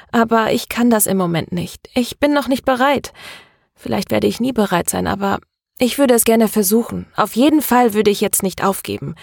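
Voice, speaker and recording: A woman's voice: mid-range voice, vocal fry, dry recording, clean studio sound, pitched above the performer's own voice. A woman narrator voicing a troubled young woman who hesitantly confides in her best friend.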